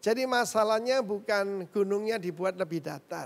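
A man's high-pitched voice with ordinary pitch variation. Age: 70s. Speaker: pastor. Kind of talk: sermon. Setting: church livestream. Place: church. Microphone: handheld.

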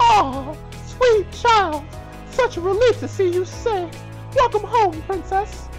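A fairly slow pace over clear music in the background. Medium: game stream. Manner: warm, relieved, regal.

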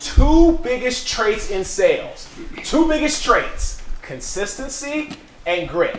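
A man talks at a fairly slow pace. Light background noise and audible room echo fill the recording. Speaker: keynote speaker. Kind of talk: motivational sales talk. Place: home room.

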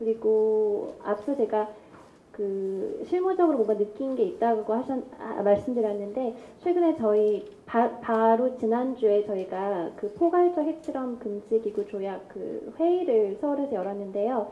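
The speaker is a woman with a fairly high pitch. Audible room echo surrounds her voice. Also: fairly slow pace. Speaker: foreign ministry official; panelist. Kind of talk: panel discussion. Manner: formal. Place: hall. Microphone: handheld.

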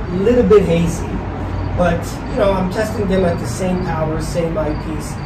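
A man talks at a moderate pace with ordinary pitch variation. Loud background noise runs behind him. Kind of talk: casual vlog chat. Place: garden. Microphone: camera far.

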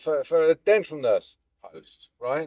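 A man speaks against a quiet background. The sound is dry with no echo. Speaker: driver vlogger. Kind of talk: casual vlog chat. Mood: indignant, incredulous. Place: car. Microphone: camera far.

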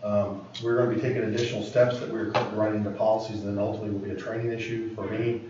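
A man's monotone, flat delivery with audible room echo and light background noise. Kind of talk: committee presentation. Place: meeting room. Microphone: camera far.

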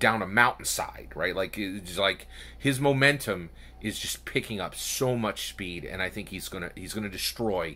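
At a moderate pace, a man with a fairly low pitch speaks in a bright, sharp, animated tone with lively intonation. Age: 40s. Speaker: political commentary youtuber. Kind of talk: solo video commentary. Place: home room. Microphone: lapel.

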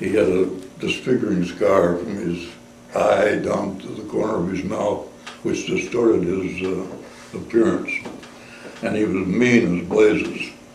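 A man with an American accent at a fairly slow pace, with audible room echo and light background noise. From US Midwest. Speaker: war veteran. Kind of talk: oral history interview. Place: home room. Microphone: lapel.

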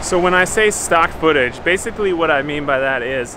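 Fairly quick and dry with no echo, a man's speech carries ordinary pitch variation over noticeable background noise. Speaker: doctor vlogger. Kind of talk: casual vlog chat. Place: street. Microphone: phone near.

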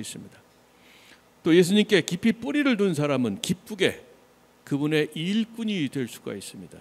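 A man with a high pitch speaks with very wide pitch swings. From South Korea, Yeoncheon (Gyeonggi); South Korea. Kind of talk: sermon. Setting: church during Mass. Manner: warm, conversational. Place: church. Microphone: podium.

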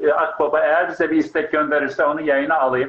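A man with a fairly high pitch talks at a moderate pace with fairly even intonation. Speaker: online group host. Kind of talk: interview chat. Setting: live stream. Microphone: video call.

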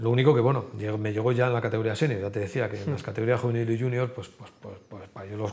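A man's intonation stays fairly even as he talks at a very fast pace. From León province, Spain. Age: 50s. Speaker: retired marathon runner; athletics coach guest. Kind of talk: interview. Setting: tv studio. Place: studio. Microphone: lapel.

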